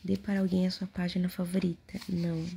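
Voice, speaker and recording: A Brazilian woman doing casual ASMR in a hushed low voice right in your ear, often slipping into a whisper as she reads aloud and comments offhand. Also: level tone, fairly quick, gravelly. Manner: murmured reading aloud mixed with offhand remarks. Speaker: ASMR video host. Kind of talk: soft-spoken and whispered ASMR, casual chat. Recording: noisy close home recording, handling clicks.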